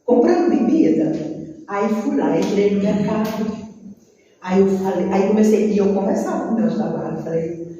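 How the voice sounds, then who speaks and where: A woman with a Brazilian Portuguese accent tells a personal life story to a group, in a lively way, often talking straight to her listeners. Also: mid-range voice, normal speed, slight background noise. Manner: lively storytelling, addressing the audience directly. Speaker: speaker sharing a life testimony. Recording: echoey hall, mic far off, dull sound.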